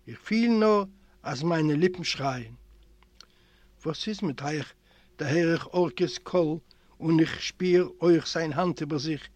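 Male audiobook reader, native Yiddish speaker. Expressive literary reading in a slightly high register, recorded dry. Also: slow pace, no room sound. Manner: expressive, voices characters with raised pitch. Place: library recording room.

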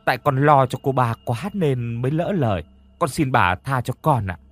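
A man voicing a timid, fearful servant woman who stammers and pleads in a hushed voice, in an audiobook reading. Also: mid-range voice, expressive, normal speed, dry recording, faint music behind, close to an everyday voice. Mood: begging. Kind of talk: audiobook narration.

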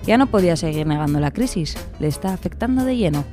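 A woman playing a calm passenger who tells a cautionary tale in a measured storytelling style in a radio play. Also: fairly low pitch, faint music behind, close to an everyday voice. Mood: calm narrating.

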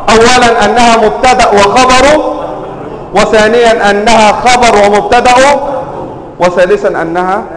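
A man teaching Arabic grammar to a class. He quizzes the students with frequent questions and drawls example words slowly for emphasis. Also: high-pitched. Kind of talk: classroom lecture. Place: lecture room with students. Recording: roomy echo, faint ambience.

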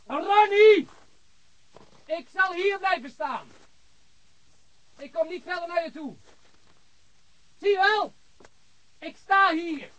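An actor playing an anxious, moralising police detective, exasperated and earnest, in a radio drama. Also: male voice, very high-pitched, slow, long pauses, a bit bright, exaggerated voice, rough recording. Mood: shouted pleading. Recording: radio drama recording with background noise.

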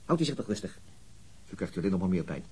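Brisk, husky police interrogator. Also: male voice, low-pitched, very animated, mellow, exaggerated voice. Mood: quiet, insinuating. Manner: insistent, probing. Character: persistent, probing male police interrogator, controlled and insinuating. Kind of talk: radio crime drama acting.

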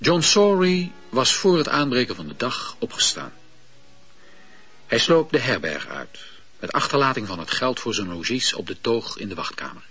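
A man narrating a radio drama in a measured storytelling manner. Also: medium pitch, very animated, sharp tone, husky, faint music behind. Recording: dull, dry lo-fi old radio recording.

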